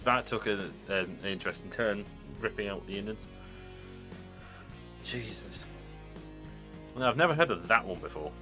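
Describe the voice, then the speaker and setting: A man with a lowish voice reacts casually to a video, rambling and hedging as he talks. Clear guitar music plays behind him. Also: moderate pace, pauses often. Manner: chatty, rambling, with hedges and fillers.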